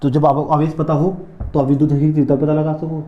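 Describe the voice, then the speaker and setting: A man lecturing a physics class at a rapid clip, his voice sitting a little high. He keeps repeating himself and firing questions, then answering them. The sound is dull and lo-fi, bouncing around a roomy classroom. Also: flat delivery. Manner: repetitive, drilling questions to students. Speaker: physics teacher.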